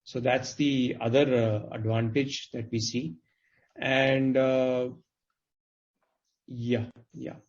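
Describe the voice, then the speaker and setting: A man speaking as a company executive on an earnings call, explaining things in a halting, qualified way over conference audio. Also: medium pitch, level tone. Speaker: company executive answering investors' questions. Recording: dull, band-limited conference call audio.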